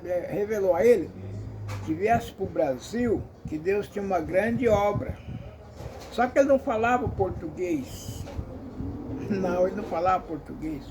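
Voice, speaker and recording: A man's voice: high voice, noisy background. A Brazilian man giving an emphatic, repetitive commentary monologue, often calling out to his listeners.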